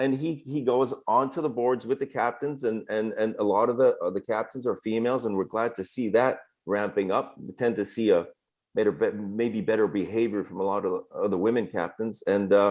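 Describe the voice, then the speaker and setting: In a Quebec accent, a man talks at a fairly quick pace with medium pitch and ordinary pitch variation. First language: French. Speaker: boat distributor founder. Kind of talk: panel presentation.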